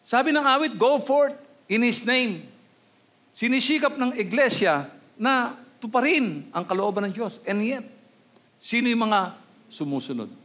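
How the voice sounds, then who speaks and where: A man's voice: extremely high pitch, expressive, measured pace, long pauses, a bit bright. A man with a Filipino accent preaching a sermon as pastor, mixing in English and rising into emphatic questions.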